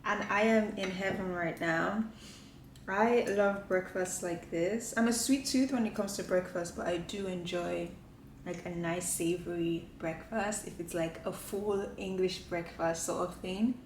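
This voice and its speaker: A woman's voice: lowish voice, measured pace, a little hiss or hum. A woman vlogging to camera from her home kitchen, chatting casually and rambling with lots of "like" fillers. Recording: echoey room with faint ambience.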